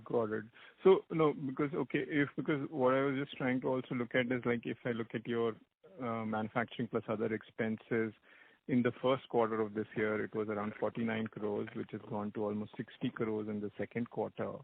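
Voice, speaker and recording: A man's voice: medium pitch, little pitch movement, a little fast, gravelly. A man with an Indian accent asks questions as an analyst on a conference call, wordy and a little hesitant. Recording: dry, narrow phone line.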